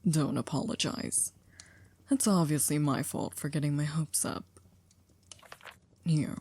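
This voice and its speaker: A woman playing a stern, dry chief maid in an ASMR roleplay, speaking in a formal, measured, reproachful way. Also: deep voice, mellow, husky, full character voice. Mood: dry, exacting.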